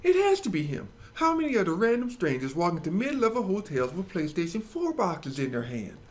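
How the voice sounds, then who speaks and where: A man's voice: high voice, huge pitch swings, fairly quick, pitched above the performer's own voice. A man voicing a hot-headed male buyer who turns sly and then screams and curses when he gets scammed.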